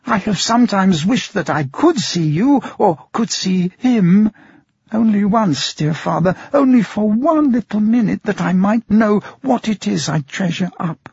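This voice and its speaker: A man's voice: lively intonation, gravelly, darkish tone, breathy edge, no echo, full character voice. A man voicing a young blind girl who pleads earnestly through tears. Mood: earnest, tearful. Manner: trembling, pleading, high and slow. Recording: muffled, dry, lo-fi.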